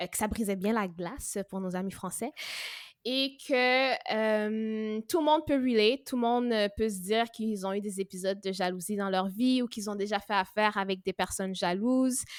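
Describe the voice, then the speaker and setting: This woman has a fairly high pitch and a strong Montreal accent. She speaks at a moderate pace with ordinary pitch variation. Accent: strong Montreal Quebec French. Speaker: podcast co-host. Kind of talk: casual podcast chat. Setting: video call.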